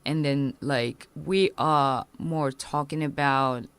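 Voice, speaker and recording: Low-voiced woman, halting speech. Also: smooth. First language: Korean. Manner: halting, many fillers and restarts, animated. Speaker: punk musician guest. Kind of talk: casual interview chat.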